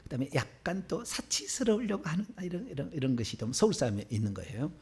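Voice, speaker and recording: A man's voice: a little high, very animated, fast talker, a little mellow, breathy edge. A man in his fifties from Seoul, a pastor preaching a sermon in church, asking the congregation rhetorical questions and chuckling in asides. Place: church sanctuary.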